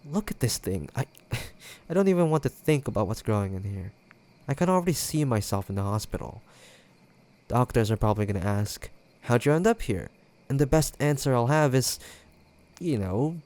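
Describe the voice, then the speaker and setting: This is a man performing the role of a young ex-boyfriend who teases playfully in an intimate roleplay drama, his casual speech broken by hesitant pauses and a creaky edge. He uses his natural voice, medium in pitch and a little mellow.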